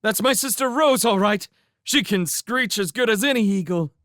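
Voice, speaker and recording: A man voicing a loud, mischievous young male mouse who howls in a piercing yell in an audiobook. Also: sits high, moderate pace, dry recording, studio quality, pitched above the performer's own voice. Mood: proud. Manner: piercing yelling, howling for help. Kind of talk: audiobook character voice.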